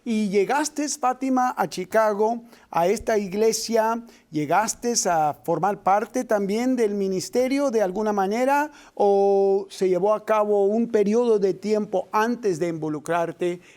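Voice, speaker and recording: The host of a Christian interview program, a man with a high voice, reads scripture aloud earnestly and then questions his guests with warmth and sincerity. He speaks a little slowly and pauses rarely.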